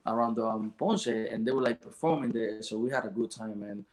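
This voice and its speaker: A man, a podcast host sharing a personal story in relaxed, rambling chat. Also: fairly low pitch, brisk. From Puerto Rico. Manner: relaxed storytelling with fillers and restarts. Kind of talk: casual chat.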